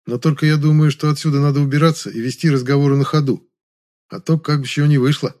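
A man's voice: a little high, fairly even intonation, quick pace, a little mellow, voice pushed up, lightly acted. Man doing a cool, offhand teenage boy. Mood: matter-of-fact.

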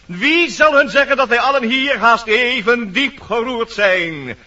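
Casting: stern, self-important forest animal chief, very high bright voice, declamatory radio-play delivery, dull recording. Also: male voice, lively intonation, a little slow, recorded from a distance, full character voice. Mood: solemn, deliberating. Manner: formal, commanding, declamatory. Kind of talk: theatrical Dutch radio play acting.

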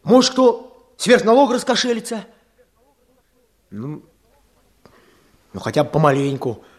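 A man's voice: high voice, sing-song, a little slow. An actor playing an earnest village chairman who firmly coaxes and persuades peasants at a meeting in a radio play. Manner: persuasive, coaxing, firm. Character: earnest village chairman Kuzma, rural Soviet leader.

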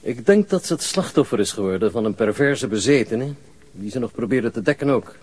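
An actor playing a frank, authoritative hospital doctor in a radio drama, formal, matter-of-fact and emphatic, with a husky voice. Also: male voice, mid-range voice, expressive, a little fast, darkish tone. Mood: frank, grave.

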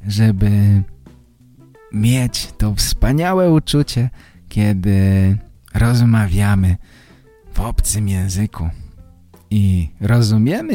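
Slow, mellow male podcast host. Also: on the low side. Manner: deliberate, carefully phrased. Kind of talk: podcast presenting to language learners. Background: guitar music.

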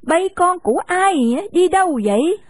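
A woman's voice: extremely high pitch, animated, normal speed, no room sound, studio quality, pitched above the performer's own voice. A woman voicing an old village shopkeeper woman who scolds but is kind. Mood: gruff, kindly.

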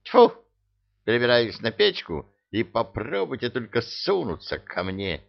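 A man voicing a grumpy, bossy old witch with a shrill, scolding voice, read as a storybook. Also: very animated, unhurried, gravelly, exaggerated voice. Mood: indignant. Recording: dull lo-fi recording.

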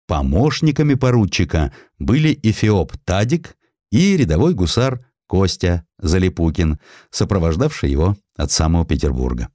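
A man reading a scripted historical narrative in a measured, expressive storytelling way. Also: low-pitched, no room sound, clean studio sound. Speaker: audiobook narrator.

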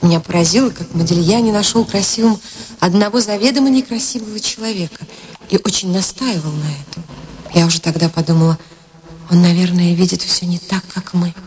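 A woman's voice: fairly low pitch, brisk, a little mellow, slight background noise, lightly acted. A woman playing a proud, ironic Russian poetess in a radio drama. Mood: reflective. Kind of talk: radio drama acting with reflective reminiscence.

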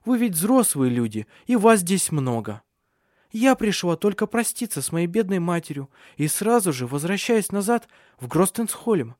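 A man's voice: high voice, very animated, moderate pace, a little mellow, dry recording, clean studio sound, voice pushed up. A man reading a story aloud, voicing a defiant young servant woman in a raised voice.

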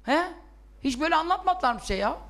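A man's voice: extremely high pitch, vocal fry, a bit bright. A man giving a religious lesson in an emphatic, scolding way, full of rhetorical questions that he answers himself. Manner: rhetorical questions, acts out objections. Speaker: religious teacher.

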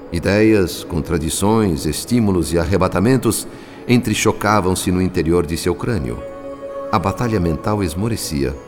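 A man with a Brazilian accent giving solemn, formal scripted narration for a radio drama. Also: sits low. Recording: faint music behind the voice.

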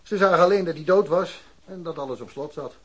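An actor playing a blunt, dismissive police detective in a radio drama, offhand and colloquial. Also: male voice, a little high, fairly quick, fairly bright tone, husky, dull audio. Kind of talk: Dutch radio drama acting.

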